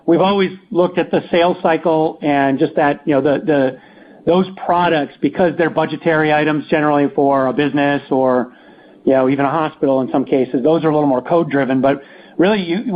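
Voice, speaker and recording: A man speaking as a company executive answering questions on an earnings call, halting and often restarting his phrases. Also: on the high side, highs cut off, slight background noise. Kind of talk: unscripted business Q&A on an earnings call.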